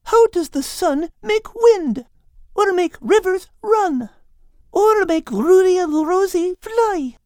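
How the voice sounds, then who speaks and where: Guy doing a curious little girl animal, really high and lilting, eager to learn, kids audiobook. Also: animated, slow pace, darkish tone, dry recording, studio quality, exaggerated voice. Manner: eager questioning. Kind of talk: children's animal story.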